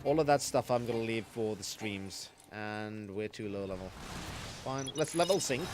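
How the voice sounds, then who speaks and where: Streaming a game, a man chats casually and explains the mechanics as he plays, frequently restarting sentences. His voice is fairly low with lively intonation and a moderate pace, and music plays in the background.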